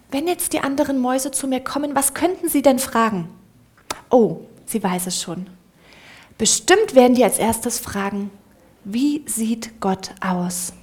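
A woman telling a children's story in church, lively and often dropping to a hushed whisper. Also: fairly high pitch.

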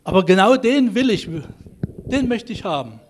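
A man telling a church story takes on a small boy who will not be talked out of his choice. The voice is firm and insistent, a little higher than usual. It is a plain retelling, not a theatrical one. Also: very animated, moderate pace, a little hiss or hum. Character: determined young boy with a leg brace.

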